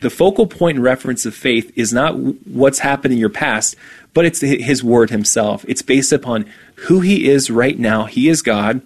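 A man's voice: medium pitch, moderate pace. Earnest man telling a faith testimony. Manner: earnest, preacherly. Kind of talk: casual conversation, testimony storytelling.

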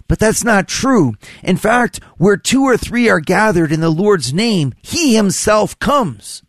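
A man, a priest, giving a short Sunday homily in an earnest, measured way. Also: sits high, dry recording, clean studio sound.

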